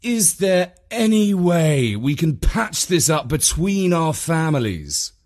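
A man playing a well-meaning, awkwardly diplomatic gentleman in a storybook, polite, earnest and emphatic. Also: on the high side, big pitch swings, takes it slowly, voice pushed up, heavily acted. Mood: polite, deflated.

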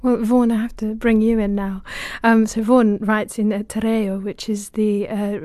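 A woman's voice: medium pitch, level tone, normal speed, dark tone, no room sound. A woman hosting a books podcast, asking enthusiastic, slightly hesitant questions. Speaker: podcast host. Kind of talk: podcast interview.

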